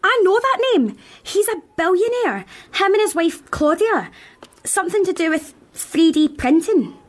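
A woman's voice: extremely high pitch, big pitch swings, measured pace, full character voice. A woman playing a bossy, chatty schoolgirl vlogger with a British accent in a children's radio drama. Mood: excited, informative. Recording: clearly noisy background ambience.

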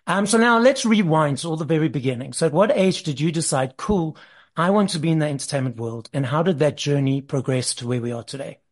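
A man's voice: a little high, lively intonation, fairly quick. A man hosting an entertainment interview show, reading a scripted intro and asking questions in an upbeat presenter manner. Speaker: interview host.

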